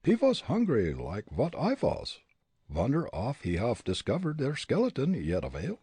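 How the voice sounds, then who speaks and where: A man's voice: mid-range voice, huge pitch swings, moderate pace, dark tone, husky, no echo, pitched above the performer's own voice, full character voice. A man voicing a mischievous young German amateur sleuth, muttering slyly in a thick German accent in a storybook reading. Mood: amused. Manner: sly, amused muttering.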